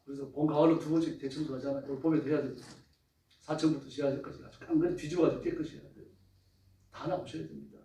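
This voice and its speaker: A man's voice: a little high, steady tone, rapid-fire, vocal fry, mellow, slight background noise. A male pastor preaching a sermon with emphatic, rising exclamations. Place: church sanctuary. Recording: echoey church from a distance.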